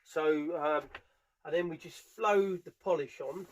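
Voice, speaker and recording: British male tradesman, voice a little on the high side, informal step-by-step demo delivery while hands are busy. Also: measured pace. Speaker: furniture polisher giving a how-to demonstration. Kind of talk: casual hands-on tutorial narration. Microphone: camera mic on a tripod, at varying distance.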